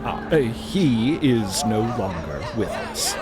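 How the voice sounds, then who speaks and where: Man acting a polite, formal scientist with lively pitch. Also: takes it slowly, a loud crowd, heavy background noise. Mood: polite, measured. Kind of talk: audio drama character acting.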